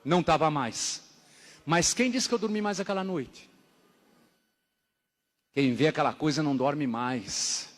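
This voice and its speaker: A man giving a dramatic religious testimony at a church service, telling his story emphatically and moving between loud exclamations and hushed narration. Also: on the high side, measured pace, pauses often. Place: church hall. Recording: echoey hall reverb.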